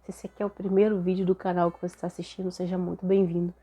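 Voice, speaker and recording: Hoarse, nasal Brazilian woman, low and flat. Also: very fast. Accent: Brazilian Portuguese. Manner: chatty, frequent tag questions. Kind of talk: casual testimony to camera.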